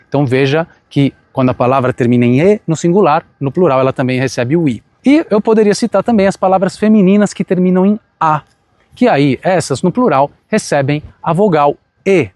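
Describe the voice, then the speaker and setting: Man teaching outdoors, higher voice. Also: expressive, darkish tone, no room sound. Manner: switches between Portuguese and Italian, spells out sounds slowly. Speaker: Italian teacher. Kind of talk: outdoor language lesson. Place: outdoors in a town. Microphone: phone recording.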